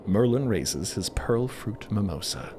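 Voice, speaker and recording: A man's voice: on the low side, lively intonation, measured pace, background noise. A man narrating for a fiction podcast.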